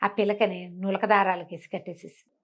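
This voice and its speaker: A woman telling a comic folk tale in an animated, conversational way, often repeating phrases. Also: medium pitch, moderate pace. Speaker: storyteller.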